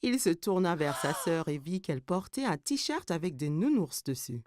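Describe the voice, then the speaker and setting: A woman's voice: on the low side, big pitch swings, normal speed. A woman giving scripted story narration for a children's cartoon. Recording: music behind the narration. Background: music.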